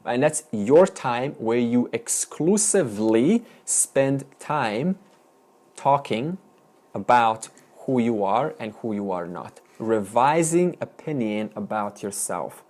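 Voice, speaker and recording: Lively male Vedanta teacher lecturing. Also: medium pitch, slow. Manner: questioning, explains step by step, asks the class. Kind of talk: classroom lecture.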